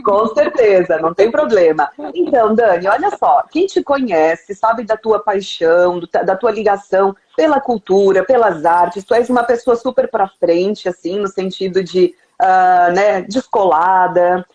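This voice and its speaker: Her mid-range voice is a little mellow and a little slow, with few pauses. She's an online interview show host with a southern Brazilian accent, running a casual live chat over a remote video call and laughing often.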